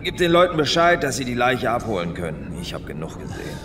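A man's voice: medium pitch, sing-song, quick pace, noisy background, close to an everyday voice. A middle-aged man acting as a fatherly, weary police superior in an audio drama.

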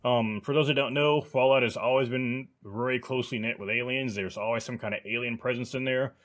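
A man's voice: mid-range voice, fairly even intonation, fairly quick, fairly bright tone. A man hosting his gaming channel, chatting casually with many fillers and restarts. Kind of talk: casual video commentary.

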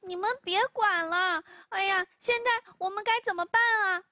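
An urgent, scared little boy in a storybook tale, voiced by a woman. His voice is very high and bright, and the sound is dry. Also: normal speed, no room sound. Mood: alarmed. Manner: breathless, urgent.

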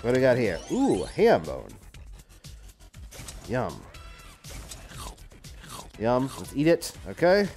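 With game music and sound effects behind him, a man hosting a gaming video talks slowly in a slightly mellow, medium-pitched voice that swings hugely in pitch. He pauses often, muttering brief repeated phrases and clean little exclamations as he plays.

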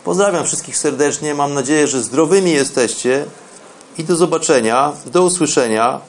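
A man with a slightly higher-pitched voice speaks as a radio host guiding listeners. He explains in an instructional monologue, sometimes pausing to find his words. A faint noise sits behind his voice. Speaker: host of a radio show on meditation.

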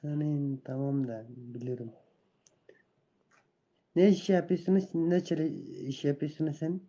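Afghan guy chatting in broken foreigner talk, halting, mellow higher voice, muffled lo-fi stream sound. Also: steady tone. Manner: broken, halting foreigner's Turkish with simple grammar. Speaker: guest caller on a live stream. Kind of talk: casual chat.

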